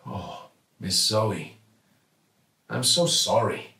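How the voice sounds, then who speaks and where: A man's voice: lowish voice, expressive, drawn-out words, creaky, sharp tone, full character voice. A man voicing a kindly, sentimental male newsagent in a storybook, avuncular and emotional. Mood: concerned. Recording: roomy, slightly distant mic.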